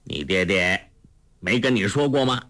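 A man voicing a gruff, teasing old male beggar and martial arts master in a storybook reading. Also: expressive, normal speed, a bit bright, dry recording. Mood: cool. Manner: low, gruff, chuckling.

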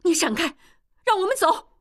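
Woman reader doing a fiery young swordswoman, shrill, angry, high. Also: sing-song, normal speed, fairly bright tone, no echo, clean studio sound.

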